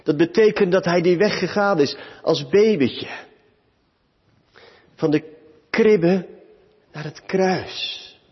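Slow husky preacher in a reverberant church. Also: male voice, high voice. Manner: emphatic preaching with dramatic short phrases. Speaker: pastor. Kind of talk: sermon. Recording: long reverb, dull lo-fi sound.

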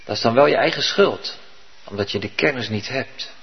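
A man's voice: medium pitch, moderate pace, husky. A male pastor preaching a sermon in church, telling the story vividly and earnestly. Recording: dull recording with long hall reverb.

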